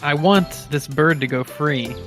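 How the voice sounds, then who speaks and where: A man playing a confident, righteous male ranger who speaks firmly and deliberately in a tabletop game. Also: on the high side, music in the background, close to an everyday voice.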